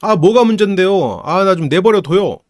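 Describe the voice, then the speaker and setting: A man's voice: sits high, very animated, fast talker, pitched above the performer's own voice. A man voicing a hot-tempered anger emotion inside a sulky girl's head, curt and defiant. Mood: snapping.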